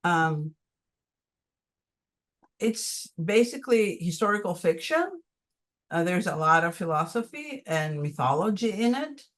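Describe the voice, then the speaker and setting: An older woman from Greece with a Greek accent, answering audience questions on a video call with many pauses and ums. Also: fairly low pitch, expressive. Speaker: conference presenter answering questions.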